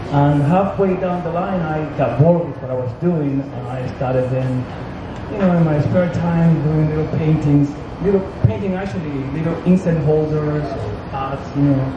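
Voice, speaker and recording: A man speaks with a Spanish accent at a moderate pace. Audible room echo and noticeable background noise surround his voice. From Cuba. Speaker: abstract painter. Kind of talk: panel discussion. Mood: reflective, candid. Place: hall.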